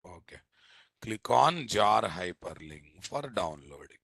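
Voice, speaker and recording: A man with a low, sing-song voice speaks at a slow pace, sounding creaky, husky, and a bit bright in a dry, studio-quality recording. He's a software instructor with a Telugu Indian accent, teaching programming live with emphatic delivery, repetition, and frequent short tag questions.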